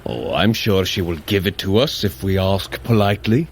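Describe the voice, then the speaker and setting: An actor playing an earnest, long-suffering god in an audio drama, with a measured, formal and drily teasing delivery. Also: male voice, low-pitched, a little hiss or hum. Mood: dry teasing. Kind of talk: scripted audio drama acting.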